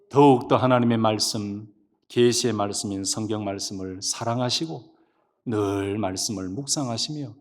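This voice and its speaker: A male pastor preaching a sermon, telling stories in an animated, emphatic way from the church pulpit. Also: on the low side. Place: church sanctuary. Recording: long reverb of a church hall.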